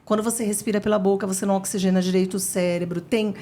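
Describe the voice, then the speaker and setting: A woman's voice: medium pitch, fairly even intonation, very fast, warm tone. A middle-aged woman, a speech therapist, explaining things as a guest in an interview with eager emphasis. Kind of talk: casual interview chat.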